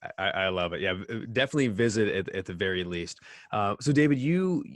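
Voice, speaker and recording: A man's voice: fairly low pitch, brisk, no room sound. Host, man, upbeat and friendly interviewer, dry studio mic. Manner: energetic, friendly, fillers like um and you know. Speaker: podcast host. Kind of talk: casual interview hosting.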